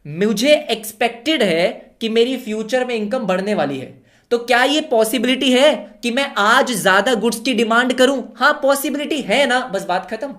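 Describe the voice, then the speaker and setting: An energetic male teacher giving an online lecture. He keeps firing rhetorical yes-or-no questions at the class and mixes English terms into everyday speech. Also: very high voice, moderate pace.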